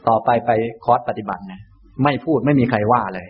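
A man, a Buddhist monk teacher, giving a calm, gentle dharma talk and answering questions. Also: medium pitch, dull audio. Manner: calm, unhurried, gentle explaining.

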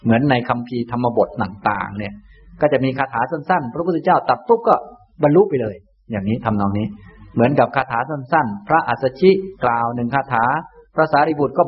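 A man, a Buddhist monk teacher, giving a calm, gentle dharma talk and answering questions. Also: medium pitch, breathy edge, highs cut off. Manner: calm, unhurried, gentle explaining.

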